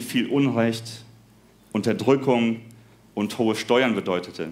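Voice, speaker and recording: The speaker talks at a fairly slow pace with fairly even intonation, and audible room echo surrounds the voice. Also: man. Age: 30s. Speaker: pastoral worker giving a Christmas Eve sermon. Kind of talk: sermon.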